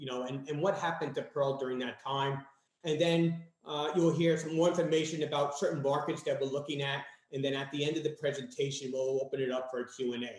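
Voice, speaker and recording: Audible room echo surrounds a man with a New York accent who speaks at a fairly high pitch with fairly even intonation. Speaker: franchise development executive. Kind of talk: business presentation.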